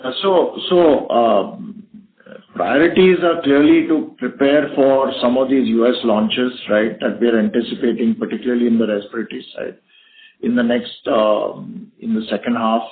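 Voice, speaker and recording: A male company executive answering questions on an earnings call, speaking haltingly and often tagging his statements with "right?". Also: mid-range voice. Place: conference call. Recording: narrowband phone conference line.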